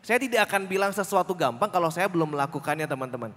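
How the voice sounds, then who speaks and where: A man leads a public speaking workshop, talking to a young crowd with a playful, teasing energy. His voice sits high for a man, and he drops into short acted-out bits of dialogue. The sound carries a long hall reverb. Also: fast talker. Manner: lively, teasing, acts out little quoted lines. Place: large conference hall.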